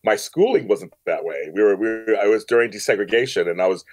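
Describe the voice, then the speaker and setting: A man's voice: lowish voice, fast talker, dry recording, studio quality, soft background music. An American man in his fifties chatting casually and jokingly as a podcast guest. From Los Angeles, United States. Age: 50s. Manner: animated, joking, conversational. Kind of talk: casual interview chat.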